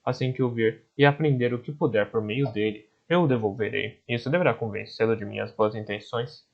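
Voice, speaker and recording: A man voicing a courteous, clever magician who talks in a polite, measured way. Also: mid-range voice, vocal fry, highs cut off.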